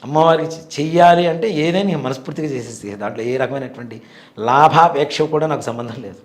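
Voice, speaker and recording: A temple priest in his forties, speaking fast in a voice on the high side, earnestly recounts a devout personal story during an interview. His retelling is vivid and sincere.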